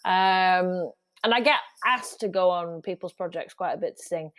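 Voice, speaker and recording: This middle-aged woman is a music industry guest chatting casually in an interview, restarting often and laughing easily. Her voice is lowish and fairly bright, and she keeps a moderate pace.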